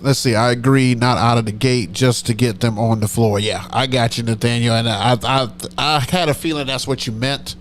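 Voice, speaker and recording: A man's voice: mid-range voice, fairly even intonation, moderate pace, hardly any pauses, a little hiss or hum. A middle-aged man with a nasal voice, hosting a live stream as a DJ, chatting casually and rambling as he answers comments. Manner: rambling, self-correcting, chatty.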